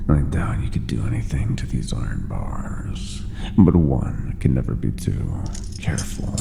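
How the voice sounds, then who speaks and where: Extremely deep, gravelly ancient monster. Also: male voice, background noise, full character voice. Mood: sinister, mock-tender. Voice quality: gravelly, breathy half-whisper. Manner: slow, savoring, mock-tender taunting. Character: ancient predatory male monster, gloating, possessive, menacing. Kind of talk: horror ASMR roleplay.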